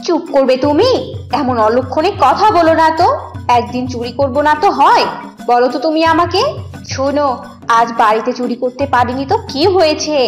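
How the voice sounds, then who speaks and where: A woman's voice: sits high, normal speed, roomy sound, faint music behind, lightly acted. A woman voicing a bossy, scolding fox wife and scheming thief in a cartoon, with a nagging, commanding manner. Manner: nagging, commanding, sharp-tongued. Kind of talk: cartoon character dialogue.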